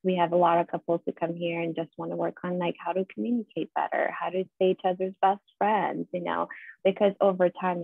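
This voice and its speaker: Female podcast guest, 30s, Persian accent, lowish creaky voice, conversational therapist. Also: no room sound. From Iran. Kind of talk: conversational interview answers. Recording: thin phone-like sound.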